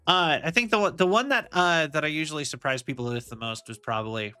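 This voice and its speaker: His voice is fairly high, bright, and forceful, with a clean tone. He's a young VTuber rambling through casual stream talk, often looping back to "like I said."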